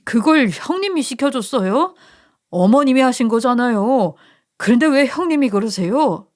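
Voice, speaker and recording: A woman's voice: fairly high pitch, lively intonation, normal speed, a little mellow, lightly acted. A woman voicing a young husband who argues back, pleading and indignant, in a radio story. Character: defensive young husband, son-in-law.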